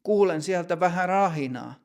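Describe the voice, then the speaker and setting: A man voicing a brisk, businesslike doctor. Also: sits high, highs cut off.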